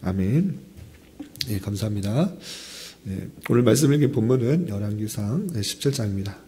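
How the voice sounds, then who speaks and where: A man, hoarse from a throat cold, speaking formally and politely as a pastor reading scripture and preaching. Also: fairly low pitch, expressive, moderate pace, dark tone. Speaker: pastor leading a dawn prayer service. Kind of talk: scripture reading and expository sermon.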